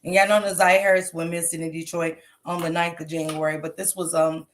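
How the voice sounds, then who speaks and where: A woman's voice: fairly low pitch, flat delivery, fairly quick. Stuffy-nosed woman chatting to viewers. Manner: chatty, talks straight to viewers, lots of ums. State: stuffy nose. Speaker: true crime commentary host. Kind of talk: casual livestream commentary.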